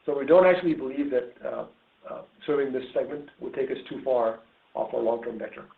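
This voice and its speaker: A man's voice: mid-range voice, brisk, vocal fry. Man on an echoey phone-like line. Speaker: company executive. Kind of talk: answering questions on an earnings call. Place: conference call. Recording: narrow phone-like line, roomy echo.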